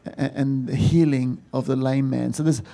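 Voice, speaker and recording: A man with a mellow, warm voice of middling pitch answers a panel question. He speaks emphatically, building his story to a point. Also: fairly even intonation, moderate pace, gravelly. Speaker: film producer.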